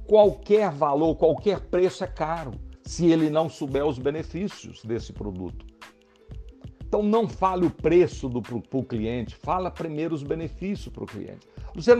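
A man's voice: fairly high pitch, warm tone. A man with a Brazilian Portuguese accent giving a motivational sales training talk, emphatic and speaking straight to his listeners. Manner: emphatic, addresses listeners directly.

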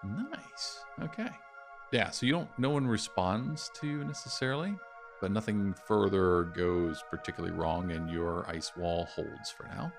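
A man's voice: low voice, unhurried, vocal fry, music in the background. A middle-aged man narrating and explaining as a podcast game master.

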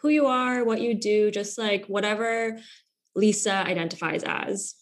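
A young woman hosts her podcast in a relaxed, friendly chat. She fills her speech with "like" and small hesitations, at an everyday middle pitch. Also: measured pace. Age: young adult. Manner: filler-heavy, lots of "like". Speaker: podcast host. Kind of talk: casual chat.

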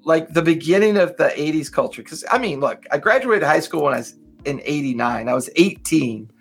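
Co-hosting a podcast, a Southern Californian man in his fifties rambles through a casual, reflective chat full of fillers. His fairly high voice is gravelly and slightly rough, and he speaks in a brisk, animated way, with soft music in the background.

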